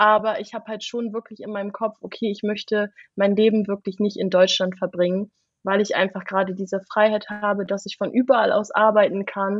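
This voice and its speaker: A woman talks at a fairly quick pace with monotone, flat intonation. Her loudness swings widely. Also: medium pitch for a woman. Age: 30s. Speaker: pet influencer. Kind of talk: podcast interview. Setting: studio.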